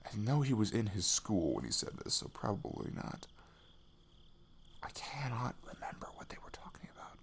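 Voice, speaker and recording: A man acts out a young American guy as an affectionate best friend in a cozy ASMR roleplay. His voice sits fairly low with plenty of fry and moves in a lively way. He rambles casually, goofy and self-deprecating. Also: normal speed. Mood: playful, rambling. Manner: rambling, giggly, self-deprecating, drops into murmurs.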